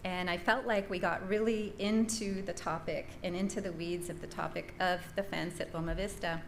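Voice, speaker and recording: A woman's voice: fairly low pitch, fairly even intonation, gravelly. Earnest woman speaking at a public meeting. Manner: earnest, measured advocacy. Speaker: public commenter at school board meeting. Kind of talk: prepared public comment. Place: school board meeting room. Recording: roomy echo, faint noise.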